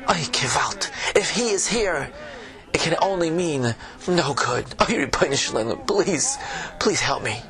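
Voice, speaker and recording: A man's voice: on the high side, animated, unhurried, a bit bright. A man doing a fretful Jewish tavern keeper. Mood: alarmed. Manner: fretful, pious exclamations.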